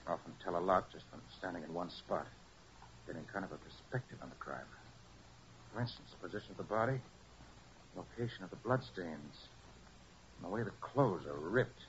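Master detective, American, low pitch, animated range, commanding, matter-of-fact, 1940s radio crime drama, hissy recording. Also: male voice, brisk, long pauses, lo-fi sound. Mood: businesslike. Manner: crisp, authoritative, matter-of-fact. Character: brisk, confident master detective, shrewd and commanding.

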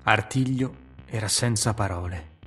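A man narrating an adventure audiobook in a dramatic, expressive reading style. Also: fairly low pitch, unhurried, slightly rough.

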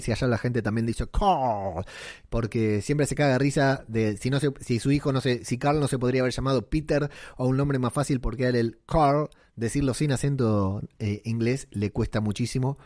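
Man, Argentine Rioplatense accent, podcast host, casual rambling commentary, mid pitch, dry close sound. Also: brisk, darkish tone, dry recording. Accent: Argentine Rioplatense Spanish. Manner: rambling, colloquial, many fillers and restarts.

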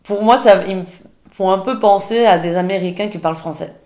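A woman's voice: medium pitch, brisk, warm tone. A woman from Belgium, a podcast guest, talking casually and hesitantly with many restarts. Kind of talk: casual conversation. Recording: roomy echo.

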